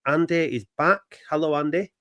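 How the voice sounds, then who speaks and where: A man's voice: a little high, normal speed, a bit bright, no room sound, studio quality. Chatty man hosting a podcast. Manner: chatty, bantering. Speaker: podcast host. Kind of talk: casual football podcast chat.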